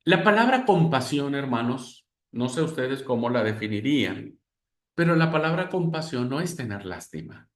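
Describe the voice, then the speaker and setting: This lecture on Christian spirituality sounds like a sermon: the man calls his audience brothers and performs the voices of those he quotes. His mid-range voice swings widely in pitch at a moderate pace, and the room is echoey.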